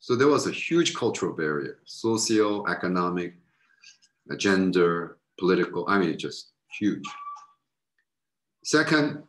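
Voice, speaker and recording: A middle-aged man, a missionary, giving a frank recorded slide lecture from a room on his webcam, repeating words and jumping up in pitch for quoted voices. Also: fairly bright tone, reverberant. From United States.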